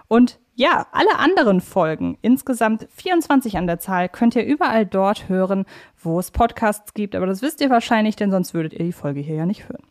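A woman's voice: medium pitch, expressive, a little fast. A woman hosting a podcast interview in a chatty, conversational style. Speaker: podcast host.

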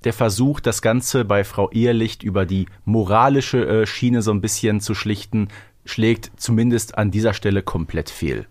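A man's voice: fairly low pitch, normal speed, dry recording, studio quality. A man co-hosting a podcast in casual, wry review chat. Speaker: podcast co-host.

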